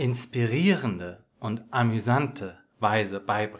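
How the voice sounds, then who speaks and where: At a very slow pace, a man speaks. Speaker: German language teacher. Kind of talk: tutorial. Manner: clear enunciation.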